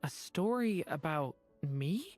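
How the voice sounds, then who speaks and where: An actor voicing a gentle, soft-spoken young dragonborn in a video game, calm and wistful. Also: male voice, a little high, slow, faint music behind. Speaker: game character.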